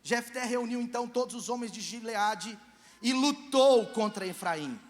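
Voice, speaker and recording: Man, pastor, very high voice, animated sermon, asks congregation to respond, long church reverb. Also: measured pace. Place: church service.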